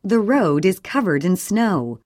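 A woman reading short English sentences slowly and clearly for a listening and repetition drill. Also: mid-range voice, dry recording, studio quality. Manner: clear, even, deliberate reading. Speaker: English audio reader.

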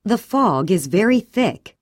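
A woman reading short English sentences slowly and clearly for a listening and repetition drill. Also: mid-range voice, no echo, studio quality. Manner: clear, even, deliberate reading. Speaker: English audio reader.

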